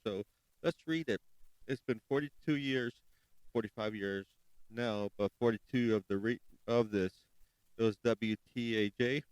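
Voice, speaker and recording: A man hosts a true crime podcast in a loose, rambling way, often stopping to correct himself. His voice is smooth and clear, recorded close and dry with no room sound. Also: fairly low pitch, dry recording, low-quality recording. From Chicago, United States. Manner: rambling, self-correcting, spells things out slowly. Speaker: podcast host. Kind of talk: casual true crime commentary.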